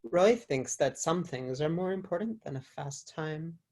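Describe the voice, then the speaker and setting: A woman's voice: sits low, lively intonation, a little slow, mellow. A woman playing a cool, matter-of-fact teenage girlfriend in a comic screenplay table read. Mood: firm, matter-of-fact.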